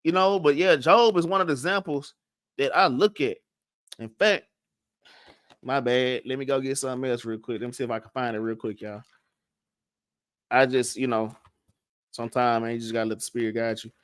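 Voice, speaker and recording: A man's voice: medium pitch, fairly even intonation, normal speed, pauses often, a bit bright, clean tone, dry recording. A man with a Southern US accent teaching a casual Bible class, stuttering and restarting often and tagging "man" and "all right?" onto his lines. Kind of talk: casual scripture lesson.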